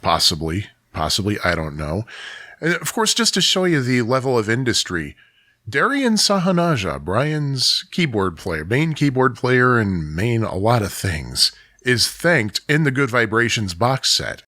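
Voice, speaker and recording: An animated man co-host whose bright voice swings widely in pitch, tossing in quick reactions and hedging asides. His voice sounds close and dry. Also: no echo. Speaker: podcast co-host. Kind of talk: casual conversation.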